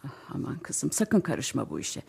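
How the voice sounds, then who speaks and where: A fretful, warm-hearted middle-aged mother in a radio drama. She talks chattily and emotionally, swinging between sighs and outbursts. Her pitch moves in wide, lively sweeps. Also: normal speed, gravelly, breathy edge, full character voice. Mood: worried.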